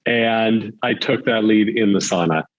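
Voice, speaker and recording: A man's voice: lowish voice, measured pace, crowd noise. Man in casual chat, slightly dull audio. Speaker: podcast co-host, real estate agent.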